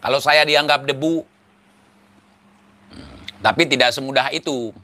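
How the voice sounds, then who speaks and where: A man's voice: mid-range voice, steady tone, measured pace, sharp tone. A man from Aceh, giving mocking, sarcastic commentary. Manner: mocking, teasing, laughs at his targets. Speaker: online commentator.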